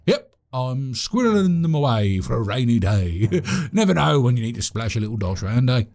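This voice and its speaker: An actor playing a chatty, cagey British servant in an audio drama, speaking in a halting, colloquial, animated way. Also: male voice, medium pitch. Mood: sly, chummy. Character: chatty, cagey servant man, obsequious yet scheming. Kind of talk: audio drama monologue and dialogue.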